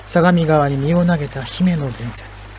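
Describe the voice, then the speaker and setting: A man narrating a local legend from a script, in a solemn storytelling manner with deliberate pauses. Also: on the high side, darkish tone, a little hiss or hum.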